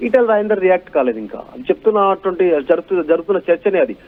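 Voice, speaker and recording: A man's voice: high voice, expressive, fast talker, phone-quality sound. A man giving unscripted live news analysis, building points through repeated lists and rhetorical questions.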